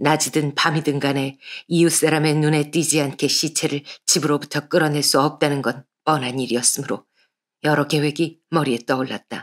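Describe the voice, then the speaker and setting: A woman speaks in a very deep, low voice with flat, monotone intonation and very even loudness. The recording is very clean, with a silent background. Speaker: voice actor audiobook narrator. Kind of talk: ghost story telling, dramatic first-person horror narration of a murderer hiding a corpse; audiobook reading aloud with short commentary. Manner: hushed, slow and eerie, building suspense with a dark confessional tone.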